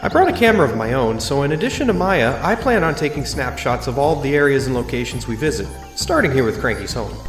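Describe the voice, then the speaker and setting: A man's voice: mid-range voice, big pitch swings, fast, hardly any pauses, music in the background, natural voice. A man playing a curious, observant visitor, narrating an audio drama in the first person with a wry tone. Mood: intrigued. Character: curious, observant, tactful adult male visitor. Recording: very echoey room, reverberant.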